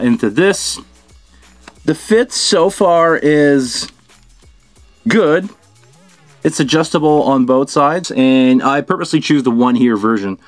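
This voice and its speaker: A man's voice: mid-range voice, dry recording. A middle-aged man casually hosting a product unboxing and review, thinking aloud in an informal way as he goes. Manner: informal, thinking aloud while handling gear. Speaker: video host, product reviewer. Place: small indoor studio at a table.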